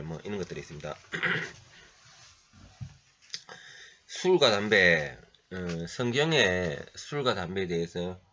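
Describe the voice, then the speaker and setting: A man preaching a halting lecture-style sermon while he has a cold, often clearing his throat and pausing on fillers. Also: low-pitched, bright, forceful tone. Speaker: pastor. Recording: dull lo-fi recording.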